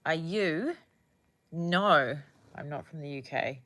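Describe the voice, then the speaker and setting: Young kiwi woman, low voice, casual livestream chat, rambly, restarts a lot. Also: lively intonation, slow pace, a bit bright. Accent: New Zealand. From New Zealand. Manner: rambling, searches for words, restarts often.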